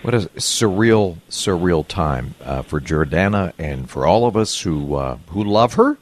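A man hosting a radio show, talking casually in halting, drawn-out phrases. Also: sits low, lively intonation. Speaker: radio host.

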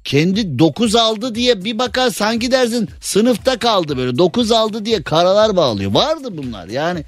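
A man's voice: sits high, sing-song, normal speed, soft background music. Chatty opinionated male radio host. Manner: chatty, opinionated, rhetorical questions. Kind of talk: casual studio talk.

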